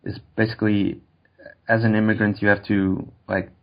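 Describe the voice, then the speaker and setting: Guy with a low monotone voice, hesitant casual talk, stops to find words, sounds kinda dull and lo-fi. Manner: hesitant, halting, searching for words. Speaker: interview guest. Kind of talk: casual conversation.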